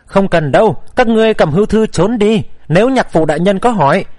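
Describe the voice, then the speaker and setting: A man's voice: sits high, lively intonation, brisk, darkish tone, dry recording. A man voicing a dry, teasing young nobleman in a historical storybook. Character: young nobleman, wry and teasing, stern at times.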